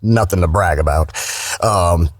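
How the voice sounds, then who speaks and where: Man, low-pitched, podcast guest, voice actor, candid, salty, casual conversation, dry sound. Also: unhurried, dry recording. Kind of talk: casual podcast interview chat.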